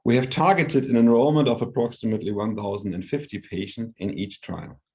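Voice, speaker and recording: A man giving a prepared company update on an earnings call as an executive, formal and measured in his phrasing. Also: fairly low pitch, a little mellow.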